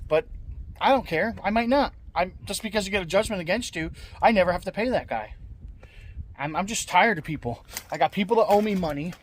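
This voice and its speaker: A man's voice: high-pitched, animated, brisk, a little hiss or hum. A man talking casually on his vlog, blunt and venting, swearing freely and restarting his sentences often. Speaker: scrap-metal vlogger. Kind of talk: casual rambling vlog talk.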